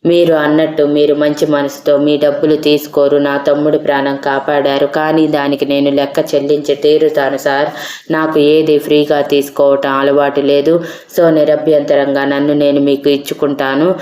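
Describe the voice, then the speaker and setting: A woman's voice: low-pitched, flat delivery, normal speed, warm tone, close to an everyday voice. A stubborn devoted young woman, read by a woman. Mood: determined. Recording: roomy echo.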